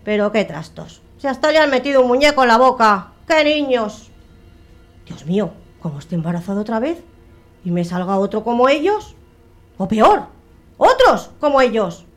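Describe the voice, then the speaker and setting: A woman voicing a young pregnant mother who muses quickly and fretfully. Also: fairly high pitch, very animated, faint music behind. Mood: exasperated.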